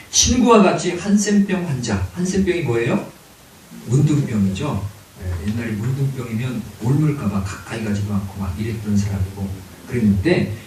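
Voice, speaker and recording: A man's voice: mid-range voice, dark tone. A male pastor preaching a sermon, emphatic, with exclamations and rhetorical questions. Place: church sanctuary. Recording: very echoey church hall, distant mic, hiss.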